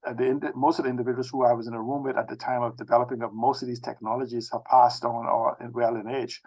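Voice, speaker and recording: Halting Bahamian man in his sixties. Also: medium pitch, flat delivery, a little mellow, rough recording. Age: 60s. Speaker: interview guest, technology expert. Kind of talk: conversational autobiographical interview talk.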